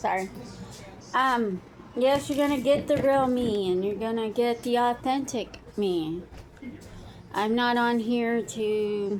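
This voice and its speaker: At a very slow pace, a woman speaks in a fairly high pitch, with audible room echo around her. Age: 30s. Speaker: vlogger. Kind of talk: casual vlog talk. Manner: rambling, animated.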